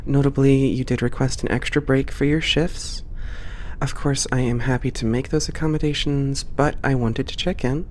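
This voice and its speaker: Calm, reassuring space port boss, acted out. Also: medium pitch, normal speed, a little hiss or hum, natural voice. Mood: attentive. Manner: reassuring, encouraging, softly professional. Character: calm, supportive space port boss giving a monthly review. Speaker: ASMR roleplay voice actor. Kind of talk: scripted one-sided roleplay audio.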